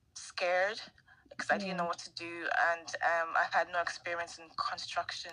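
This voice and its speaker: A woman with a Dublin accent. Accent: Dublin Irish. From Ireland, Dublin. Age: 20s. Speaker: technical architect and pageant contestant. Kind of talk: podcast interview.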